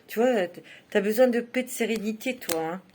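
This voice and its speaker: A woman's voice: fairly high pitch, normal speed, darkish tone, slight background noise. Chatty woman reading tarot cards. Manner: chatty, laughs often, many fillers like "hein". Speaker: tarot reader. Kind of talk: casual monthly tarot reading.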